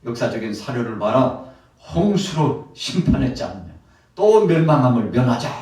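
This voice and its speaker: A man's voice: fairly low pitch, darkish tone. A male pastor preaching a Wednesday sermon, building to emphatic peaks and addressing the congregation directly. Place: church sanctuary. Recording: very echoey church hall, voice from a distance.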